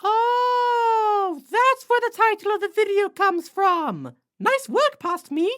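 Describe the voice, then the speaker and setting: A mischievous cartoon turtle boy with a very high, squeaky voice that leaps all over the place. He is smug and theatrical and loves to needle people. The voice bounces constantly between highs and lows. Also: big pitch swings, slow pace, fairly bright tone, heavily acted. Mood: needling. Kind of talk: fan comedy audio skit.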